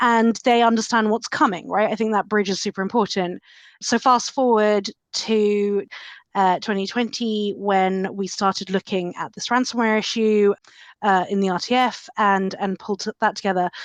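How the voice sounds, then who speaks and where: Recorded dry and close with no echo, a woman with a British accent speaks with fairly even intonation. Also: medium pitch for a woman, moderate pace. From Britain. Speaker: cybersecurity policy expert. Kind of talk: interview. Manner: casual, filler-heavy.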